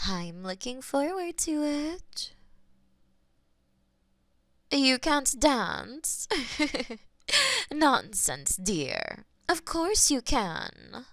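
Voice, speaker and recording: A woman voicing a possessive, taunting female demon mistress in a scripted audio roleplay, teasing and slipping into soft whispers. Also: mid-range voice, no room sound, clean studio sound, full character voice.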